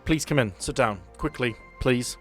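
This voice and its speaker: A man voicing a grave, commanding woman boss who briefs her agents in a tabletop game, measured and earnest. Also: medium pitch, fairly bright tone, faint music behind, natural voice. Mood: brisk.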